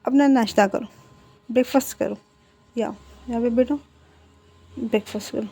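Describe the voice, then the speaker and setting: A woman's voice: a little high, fairly even intonation, normal speed, mellow, slightly rough. A woman voicing a stern, chiding middle-aged mother in a storybook reading.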